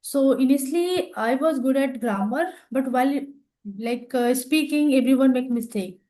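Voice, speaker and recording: A woman in her thirties speaks with an Indian accent and a somewhat high, mellow voice. She picks her words carefully and hesitantly, with many fillers along the way. It sounds like a relaxed English practice chat over a video call. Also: moderate pace. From northern India. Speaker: English learner. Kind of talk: casual practice conversation.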